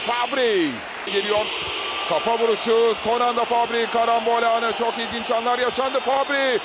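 A man giving excitable, partisan live football commentary, given to screaming as the play heats up. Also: very high-pitched, moderate pace. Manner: excitable, screaming at goals and chances; partisan, cheering on his side. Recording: loud stadium noise behind the voice. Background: loud match noise.

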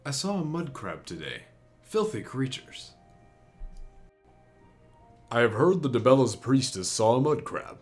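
Disdainful fantasy game townsman , performed by a man, very animated pitch, slow delivery, music behind. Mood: haughty disgust.

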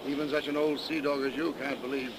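An actor playing a sensible, teasing sceptic in a 1930s radio drama. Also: male voice, mid-range voice, level tone, quick pace, noisy background, lightly acted. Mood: dismissive.

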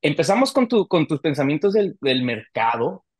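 A man's voice: on the high side, big pitch swings, moderate pace, no room sound. A man, hosting a casual interview over a video call and talking with many hesitations and restarts. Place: home office on a video call.

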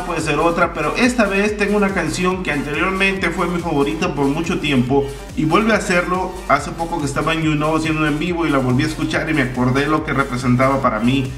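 A man's voice: a little high, a bit bright. A man in his twenties with a Mexican accent, chatting casually and slangily to camera as a YouTuber. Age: 20s. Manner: informal, slangy, swearing. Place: room at home with tiled floor. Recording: roomy echo, distant mic, faint music.

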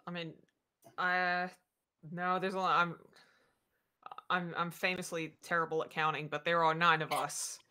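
A woman's voice: fairly low pitch, little pitch movement, a little slow, pauses often, bright, forceful tone. A woman talking casually as a panelist on a video call. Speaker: panelist, podcast writer. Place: indoor room, video call.

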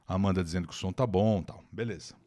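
A Brazilian man runs a live-streamed English lesson, reading an article aloud, translating it, explaining words and pronunciations, and chattily greeting viewers by name. He speaks quickly in a deep, dark voice through a new microphone.

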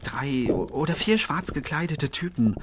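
An actor playing an eager but skeptical sidekick to a detective in a German crime audio drama. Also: male voice, fairly high pitch, lively intonation, normal speed, noisy background, lightly acted. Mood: alert. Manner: questioning, insistent.

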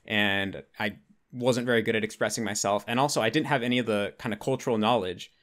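A man's voice: fairly low pitch, brisk, fairly bright tone. A man in his twenties with an American accent, hosting a casual, conversational interview. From United States. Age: 20s. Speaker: interviewer, host. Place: bedroom at home.

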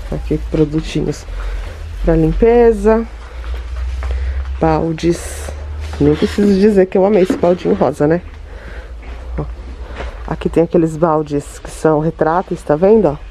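Brazilian woman on a store tour, gushy and chatty, mellow voice, a little background hiss. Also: medium pitch. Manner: enthusiastic, gushing over items, chatty asides to viewers. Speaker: home decor vlogger. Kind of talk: store tour vlog, showing products. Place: inside a large home goods store.

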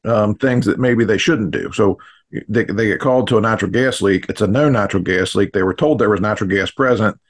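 Husky, lower-voiced American man. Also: a little fast. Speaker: fire command instructor and podcast guest. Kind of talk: explanatory interview talk. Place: small indoor home studio, on a video call. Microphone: studio mic on boom arm.

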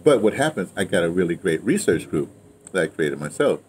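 A man's voice: low-pitched, sing-song, darkish tone. Rambling older New man, noisy outdoor recording. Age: around 70. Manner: rambling, halting, repeats and circles back to his point. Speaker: interviewee, theater and radio drama veteran. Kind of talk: casual reminiscing conversation. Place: outdoors in a yard beside a house. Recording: clear outdoor ambient noise.

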